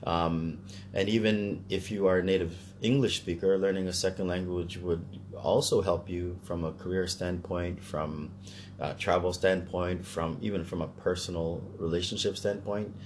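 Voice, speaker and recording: A man's voice: low-pitched, flat delivery, moderate pace, a little hiss or hum. A Canadian man talking casually in a discussion, hesitant as he thinks aloud.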